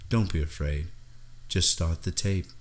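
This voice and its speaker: A deep-voiced vampire gentleman, acted by a male audiobook reader, ageless and melancholy. He speaks softly and formally, with deliberate, courteous command. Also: close to an everyday voice. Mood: calm, confiding. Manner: soft-spoken, deliberate, formal. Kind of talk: audiobook character dialogue.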